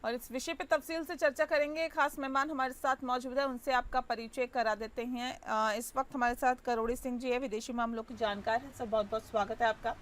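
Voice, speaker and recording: High-voiced woman anchoring a news debate. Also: fairly even intonation. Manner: measured, with many "uh" fillers. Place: TV news studio.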